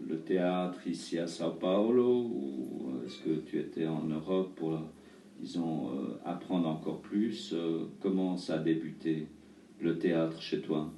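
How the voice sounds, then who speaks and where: A man's voice: rumbling low, a little slow, warm tone. A man working as an interviewer, putting questions to a guest. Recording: roomy, distant mic, faint noise.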